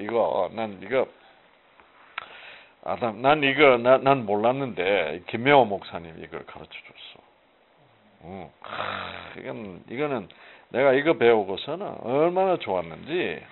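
A man's voice: on the low side, big pitch swings, takes it slowly, vocal fry, long pauses. A man teaching a casual Bible study, asking rhetorical questions and answering them himself with emphasis. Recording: muffled phone-like audio.

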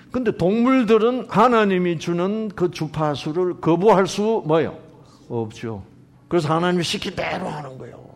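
A middle-aged man preaches in a lively, swooping voice that sits a touch high for a man. He keeps throwing questions at his listeners and answering them himself. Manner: animated, asks the congregation rhetorical questions. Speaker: pastor. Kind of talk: sermon.

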